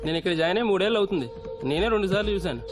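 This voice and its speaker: A man acting a gruff, self-important gate guard in a Telugu comedy film. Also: high voice, lively intonation, racing. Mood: gruff, dismissive.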